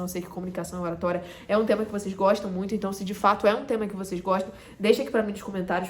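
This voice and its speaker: A woman with a Carioca accent from Rio de Janeiro gives a direct-to-camera lesson as a communication coach, speaking emphatically and dropping to a soft voice to make a point. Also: medium pitch. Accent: Carioca Brazilian Portuguese. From Rio de Janeiro, Brazil. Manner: emphatic, drops to a soft voice to make a point, then rises again. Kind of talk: direct-to-camera teaching talk.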